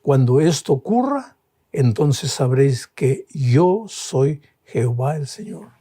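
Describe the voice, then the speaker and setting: Husky, dark-voiced male preacher. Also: expressive, slow pace. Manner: impassioned, rising to high emphatic peaks. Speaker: pastor. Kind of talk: sermon.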